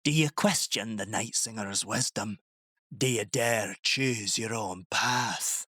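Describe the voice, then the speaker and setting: A man voicing a sly, commanding animated villain who taunts with drawn-out, insinuating words. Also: fairly low pitch, slightly rough, no echo, clean studio sound, exaggerated voice. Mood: taunting. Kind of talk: animation character acting.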